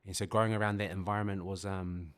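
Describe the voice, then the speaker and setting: A New man in his forties, whose was Samoan, speaking with a very deep, low voice. He talks reflectively and pauses to search for words, like a guest opening up on a podcast. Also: level tone, smooth. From New Zealand. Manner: thoughtful, pauses to find words.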